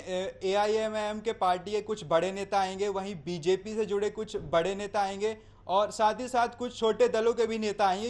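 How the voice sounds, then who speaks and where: A man reporting live as a news correspondent, explaining in long, winding sentences with hesitations. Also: sits high.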